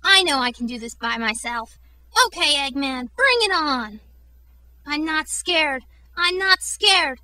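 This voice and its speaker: A woman plays a plucky young fox boy from a cartoon video game. The voice is high and bright, boyish and earnest. He sounds like a clever little kid, with lively pitch. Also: measured pace, dry recording, heavily acted, poor audio. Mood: determined. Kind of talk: video game character audition demo.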